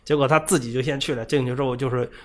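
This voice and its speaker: A man chatting casually about a video game, retelling side stories in a rapid, rambling way with many fillers. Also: mid-range voice, fairly even intonation.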